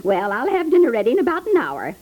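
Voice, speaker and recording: An actress playing a bossy, well-meaning older aunt in a 1950s radio comedy, with a bustling, insistent manner. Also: female voice, fairly high pitch, huge pitch swings, fast talker, a little mellow. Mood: brisk, insistent.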